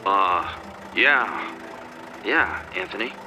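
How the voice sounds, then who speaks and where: A man voicing a naive, hesitant eighteen-year-old delivery helper with an American accent, speaking haltingly in story dialogue. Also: low voice, animated, pushed and bright, a little hiss or hum, voice pushed down, exaggerated voice. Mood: awkward. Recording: music behind the voice.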